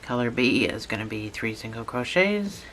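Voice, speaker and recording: Bright, patient tutorial voice with a cold. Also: mid-range voice, sing-song, moderate pace, slight background noise. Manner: patient, repetitive instructions. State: has a cold, losing voice. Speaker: instructor. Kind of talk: step-by-step tutorial narration.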